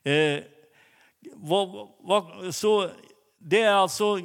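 A man preaching a sermon, telling a story with many halting restarts. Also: sits high, gravelly. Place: church hall. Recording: long hall reverb.

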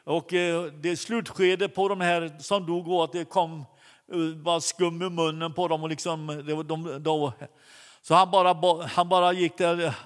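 A man preaching a sermon, telling a story with many halting restarts. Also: fairly high pitch, level tone, clean tone. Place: church hall. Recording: long hall reverb.

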